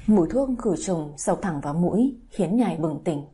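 A woman's voice: fairly low pitch, animated, normal speed, mellow, slightly rough. A woman reading a dramatic audio story, with emotive scripted narration.

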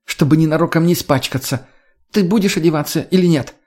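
A man voicing an irritable, sharp-tongued young woman who snaps and swears. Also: fairly high pitch, fast talker, pitched above the performer's own voice, close to an everyday voice. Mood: annoyed. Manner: snapping, swearing.

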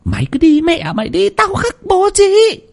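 A man's voice: extremely high pitch, huge pitch swings, moderate pace, creaky, darkish tone, pitched above the performer's own voice, full character voice. A man voicing a brusque, cursing older village woman healer in a spoken horror story. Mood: furious. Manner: scolding, cursing, barking orders.

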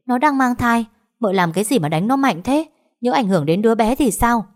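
A woman voicing a protective, sharp-tongued older nanny in an audio story, scolding sharply. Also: a little high, animated, brisk, voice pushed up, close to an everyday voice.

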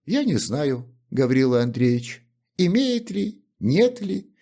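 A man voicing a timid young laundress in an audiobook, speaking quietly and submissively. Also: a little high, sing-song, slow pace, voice pushed up, full character voice. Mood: meek. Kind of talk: audiobook character reading.

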